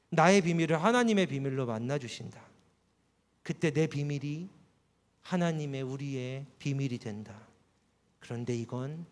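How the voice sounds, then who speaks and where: A man, a pastor, preaching a sermon and telling a personal story in a storytelling way, softening his voice for quoted words. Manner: storytelling, voice drops soft and low for quoted words. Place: church hall. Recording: long church hall reverb.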